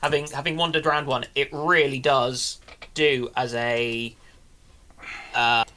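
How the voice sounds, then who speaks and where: Man, bright forceful voice, medium pitch, casual panellist, hesitant phrasing. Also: fairly even intonation, measured pace, slight background noise. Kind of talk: casual chat.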